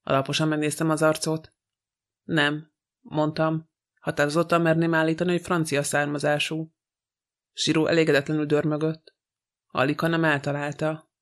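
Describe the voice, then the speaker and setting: A male audiobook narrator reads a detective story in a slightly high voice. His pitch barely moves at all. The delivery is even and unhurried. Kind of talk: audiobook reading of a detective novel.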